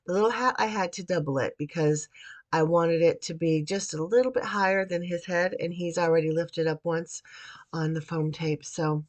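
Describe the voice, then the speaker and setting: A woman host narrating a card-making tutorial voiceover at her home craft desk, sounding raspy and stuffy from a cold, chatty and rambling with frequent restarts. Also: on the low side, normal speed.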